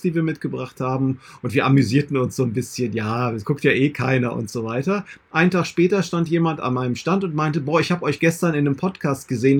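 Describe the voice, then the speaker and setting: A man's voice: on the high side, breathy edge. A man chatting casually as a guest and co-interviewer on a podcast.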